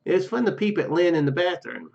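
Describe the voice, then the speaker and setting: A man's voice: high-pitched, lively intonation, fairly quick, vocal fry, darkish tone, highs cut off. A man giving casual let's play commentary and reading game text aloud, hesitant and rambling, often repeating his phrases. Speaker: YouTube game player. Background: game music.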